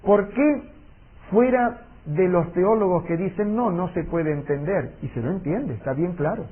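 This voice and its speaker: A man teaching a Bible seminar, earnest and emphatic, slowing down for solemn warnings. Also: sits high, breathy edge. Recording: tinny lo-fi audio recording.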